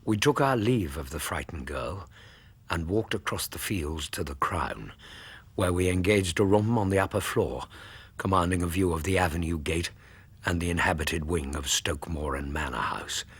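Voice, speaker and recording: A loyal doctor narrator; deep, raspy-edged voice. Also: male voice, expressive, moderate pace, a bit bright, full character voice. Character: loyal, earnest male doctor companion. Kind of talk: radio drama narration and acting.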